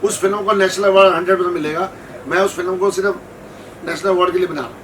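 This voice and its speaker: Higher-pitched man, distant and noisy. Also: steady tone, fast talker, fairly bright tone. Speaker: filmmaker at a press event. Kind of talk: unscripted press conference answers. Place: press event room. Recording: distant mic, noisy room.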